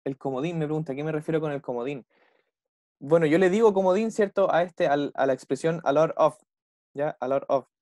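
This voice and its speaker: Young chilean guy teaching online, keeps asking if everyone's following, fairly high voice. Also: fairly quick, a little mellow, dry recording, studio quality. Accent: Chilean Spanish. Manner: explains step by step, checks in with "¿cierto?" and "¿ya?" after almost every phrase. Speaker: English teacher. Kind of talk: online class explanation.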